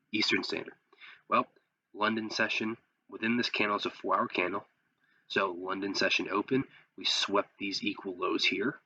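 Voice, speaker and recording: A man with a lowish but bright, forceful voice that sounds a bit sick. He walks through material like an informal online instructor, step by step, asking and answering his own questions. The recording is slightly dull and lo-fi. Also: dry recording. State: sick, voice affected by illness. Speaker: host, trading instructor. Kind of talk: casual tutorial commentary over trading charts.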